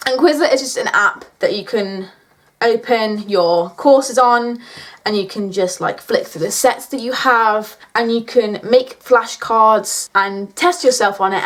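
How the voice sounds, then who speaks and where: A British woman in her late teens chatting casually in a question-and-answer vlog, with a blunt, sweary, joking manner. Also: on the high side. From United Kingdom. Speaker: YouTuber answering viewer questions.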